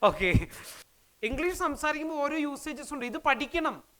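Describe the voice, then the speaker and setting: A woman from Kerala, teaching spoken in an energetic, emphatic way, firing off rhetorical questions and mixing into her talk. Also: high voice, moderate pace. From Kerala, India. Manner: energetic, emphatic, fires rhetorical questions, mixes English into Malayalam. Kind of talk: motivational language lesson.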